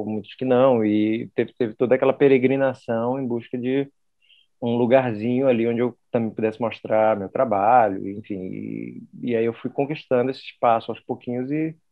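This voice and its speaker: A man's medium-pitched voice moves at a moderate pace with ordinary variation in pitch. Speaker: actor. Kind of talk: interview. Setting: studio. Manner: halting, many fillers.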